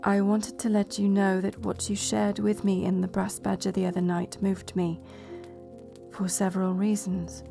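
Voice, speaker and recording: A woman's voice: medium pitch, little pitch movement, moderate pace, gravelly, over music, close to an everyday voice. A woman playing a proud, blunt betrothed princess in a medieval romance audio roleplay, sardonic and exasperated in manner. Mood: subdued reading. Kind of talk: romance audio roleplay acting, addressed to listener.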